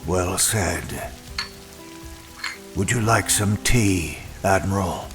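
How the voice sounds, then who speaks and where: Very slow, stoic attendant. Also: male voice, sits low, fairly bright tone, faint music behind, exaggerated voice. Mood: impassive, polite. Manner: deliberate, reserved. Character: stoic, polite male attendant of otherworldly rooms. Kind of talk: audio drama dialogue.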